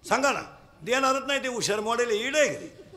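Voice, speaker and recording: A man giving a comic devotional kirtan sermon, joking and telling lively stories with acted-out quotes. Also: very high voice, quick pace. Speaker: kirtan preacher.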